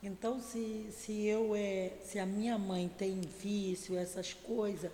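A woman student giving quiet, brief questions and reactions. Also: medium pitch, fairly even intonation, slow. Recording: distant, reverberant room.

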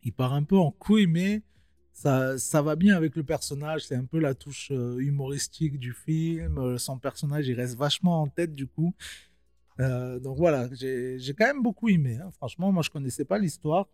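A man's voice: on the high side, moderate pace, darkish tone, dry recording, clean studio sound, soft background music. A young man giving a casual film review, slangy and chatty, talking straight to his viewers.

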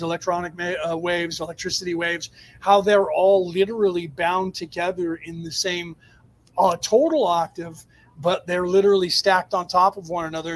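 A man giving an off-the-cuff spiritual talk to a live chat, explaining emphatically in stop-and-start phrases. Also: sits high. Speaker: spiritual teacher answering audience questions on a livestream.

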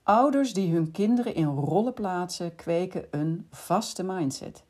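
A woman hosting a podcast, calmly explaining in scripted narration and speaking directly to the listener. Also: lowish voice, unhurried. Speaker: podcast host.

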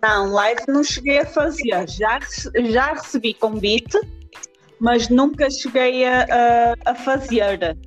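Portuguese woman author, measured. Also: fairly high pitch, soft background music. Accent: European Portuguese. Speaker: author guest. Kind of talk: podcast interview over internet call.

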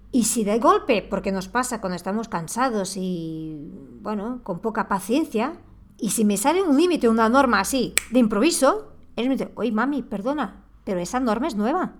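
A woman hosting a parenting podcast. Her voice sits a touch higher than most women's. She addresses the listener directly, and her tone is earnest and quick to become impassioned. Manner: speaks straight to the listener. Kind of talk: podcast monologue.

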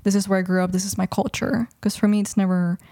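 A woman's voice: mid-range voice, little pitch movement, quick pace, mellow, dry recording, studio quality. A woman of twenty, raised in Mexico with Russian as her first language, talking thoughtfully in a casual interview with many restarts. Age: 20s. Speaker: guest.

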